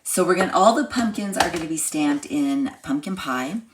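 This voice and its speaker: A woman with a slightly hoarse, froggy voice, chatting step by step through a live card-making class. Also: sits low, animated, moderate pace, background noise. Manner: chatty step-by-step explaining while crafting. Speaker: craft class instructor. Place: home craft room.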